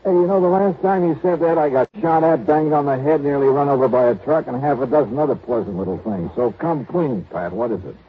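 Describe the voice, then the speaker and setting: An actor playing a wisecracking, confident insurance investigator in 1950s radio drama style, snappy and wry. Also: male voice, mid-range voice, fairly quick, few pauses, close to an everyday voice. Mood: wry banter. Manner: snappy, wry, hard-boiled. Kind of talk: 1950s radio drama acting, hard-boiled narration. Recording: dull, noisy vintage radio recording.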